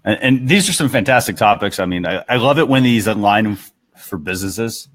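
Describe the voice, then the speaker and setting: Male host, fairly low register, relaxed talk show conversation, headset microphone. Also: brisk. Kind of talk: casual talk show chat.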